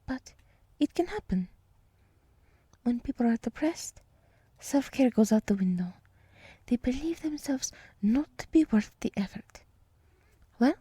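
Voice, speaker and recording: A woman voicing a gentle, nurturing deer woman in an ASMR roleplay, speaking softly in half-whispers with soothing, reassuring pauses. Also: mid-range voice, slightly rough, dry recording. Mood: gently coaxing. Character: gentle, nurturing deer woman, encouraging forest monster girl.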